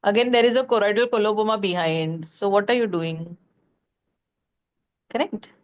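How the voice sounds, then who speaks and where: A woman with a South Asian accent questioning briskly and challengingly as an oral examiner on a webinar call. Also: mid-range voice, fairly even intonation. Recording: dull, muffled online audio.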